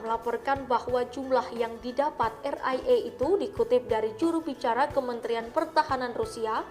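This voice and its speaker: Casting: Indonesian woman, high voice, for scripted news narration over light background music. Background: faint background music.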